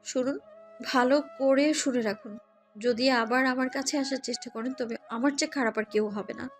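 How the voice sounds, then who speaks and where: A woman's voice: high voice, steady tone, a little fast, faint music behind, natural voice. A woman playing an angry, defiant young wife who scolds indignantly in a romantic audio story. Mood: angry, stern.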